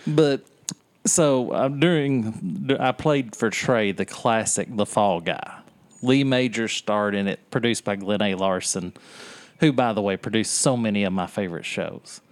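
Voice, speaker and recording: A man's voice: fairly low pitch, unhurried. A man in his forties hosting a podcast, chatting casually in a rambling, joking way. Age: 40s. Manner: rambling, jokey, self-deprecating. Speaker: podcast host. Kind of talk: casual chat.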